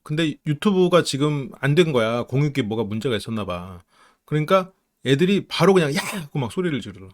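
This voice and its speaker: A man's voice: medium pitch, brisk. A man giving casual commentary on a reality show from a counseling view, acting out the family's quoted lines as he goes. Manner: animated, acts out quoted lines of family members. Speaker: counseling psychology YouTuber. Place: home studio, live stream.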